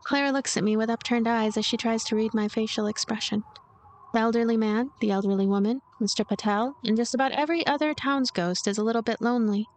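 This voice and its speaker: Bright-pitched woman narrating a story game. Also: steady tone, fast talker. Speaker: let's player reading game text aloud. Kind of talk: voiced story narration with casual commentary.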